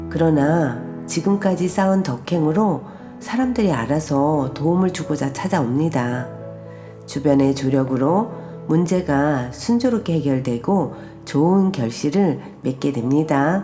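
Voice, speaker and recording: Over music in the background, a woman with a very deep, low pitch talks very slowly, with lively intonation and very even loudness. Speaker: tarot reader and fortune counselor. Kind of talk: daily horoscope narration.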